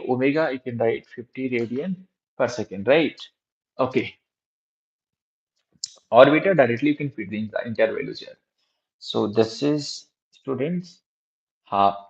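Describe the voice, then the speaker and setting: A man with a South Asian accent teaching a live physics lesson in a halting, repetitive way, often checking with his students. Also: medium pitch. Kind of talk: live exam-prep lesson, working through problems. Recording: dull lo-fi recording.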